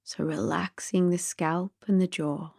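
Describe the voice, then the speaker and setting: A woman gently guiding a sleep meditation in a soothing, soft and breathy voice that drifts toward a whisper. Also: on the low side, fairly even intonation, measured pace, dry recording, clean studio sound. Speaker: meditation guide.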